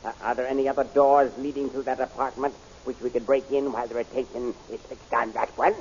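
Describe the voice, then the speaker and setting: A man's voice: mid-range voice, flat delivery, fast talker, a little mellow, close to an everyday voice. An actor playing a scheming, imperious rebel general in a 1930s radio serial, pondering as he speaks, on a muffled, hissy recording.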